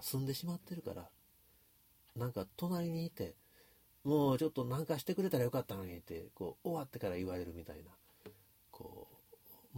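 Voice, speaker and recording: A man with a Kansai Japanese accent works as a music commentator, thinking aloud as he casually explains and analyzes a song's lyrics. His voice is lowish, gravelly, mellow and slightly rough.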